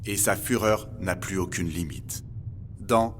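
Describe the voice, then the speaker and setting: A man playing a polite robot guide in an audio documentary drama, speaking in a measured, formal way over music. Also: low-pitched, slight background noise. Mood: measured, explanatory. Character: polite, earnest male robot guide recounting humanity's end. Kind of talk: scripted documentary fiction narration. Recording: music bed behind the voice.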